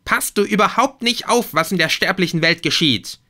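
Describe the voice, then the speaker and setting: A bossy, shrieking goddess, as a male narrator puts her on, pitched far above his own voice. She barks orders loudly and sounds bright and sharp throughout. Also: animated, normal speed. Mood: shrill outrage. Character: furious vain goddess mother, shrill.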